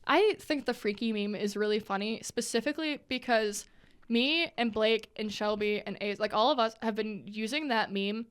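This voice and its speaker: Chatty young woman, smooth voice. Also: fairly high pitch, moderate pace. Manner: rambling, with frequent fillers and restarts. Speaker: podcast co-host. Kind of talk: casual chat.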